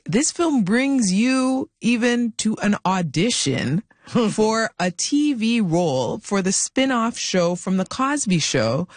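A woman's voice: medium pitch, lively intonation, slow, dry recording. Woman, interviewer, chatty, encouraging, dry close sound. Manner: chatty, encouraging, laughs along. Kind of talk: conversational interview.

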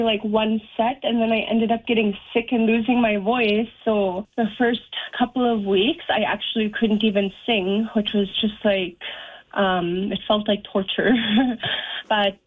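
A young woman, a singer and guitarist, answering interview questions casually, with many pauses and fillers. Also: fairly high pitch. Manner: soft-spoken, hesitant, many ums and likes. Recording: tinny phone-like sound.

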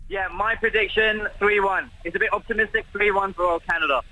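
A man with a British accent, a bar manager calling in to a radio interview from a crowded bar. He talks in a halting, excited way, with many restarts and repeated words. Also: high-pitched, rough recording. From Britain. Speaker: bar manager and phone-in guest. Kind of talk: live radio phone interview. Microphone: phone line. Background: crowd noise.

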